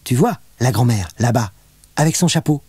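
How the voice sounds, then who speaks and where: A man's voice: mid-range voice, expressive, moderate pace, mellow, breathy edge, no room sound. A man voicing a cheeky, pragmatic young boy in a children's audiobook.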